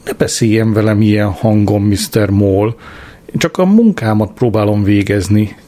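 A man's voice: on the low side, mellow, lightly acted. A man voicing a fussy, stern female receptionist who talks in a prim, scolding way.

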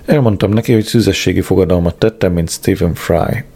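Casting: deep, gravelly man, deadpan audiobook narrator. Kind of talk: scripted narration of a comic diary.

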